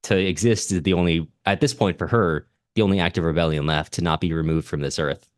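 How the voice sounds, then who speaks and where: Casting: man with a low voice as literary podcast co-host. Earnest, analytical, informal, recorded dry. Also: steady tone, fairly quick, no room sound. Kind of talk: casual literary discussion.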